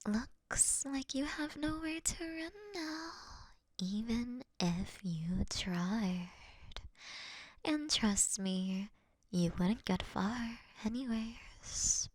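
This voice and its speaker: Slow, breathy vampire mistress, played by a woman. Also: fairly high pitch, expressive, no room sound, heavily acted. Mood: menacing, dominant. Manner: breathy, often whispered, refined and unhurried. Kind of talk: intimate roleplay audio drama, ASMR-like.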